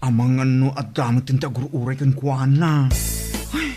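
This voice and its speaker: A man's voice: mid-range voice, normal speed, mellow, lightly acted. A man with an Ilocano accent playing a worried son who urges his father, with light music behind him. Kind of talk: scripted drama acting.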